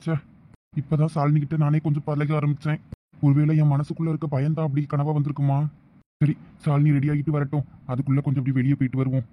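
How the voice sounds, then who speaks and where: A devoted young cartoon husband, voiced by a man, grumbles earnestly in a Thoothukudi Tamil accent. His voice sits high for a man, and the audio is dull and lo-fi. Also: little pitch movement, quick pace, lightly acted. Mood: grumbling. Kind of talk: cartoon voice acting.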